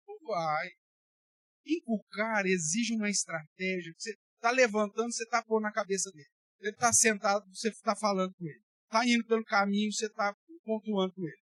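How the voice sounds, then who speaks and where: A man's voice: sits high, moderate pace, pauses often, fairly bright tone, no room sound. A man with a Brazilian Portuguese accent, a pastor giving an emphatic, colloquial sermon and speaking bluntly to his listeners. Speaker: pastor teaching a Bible study.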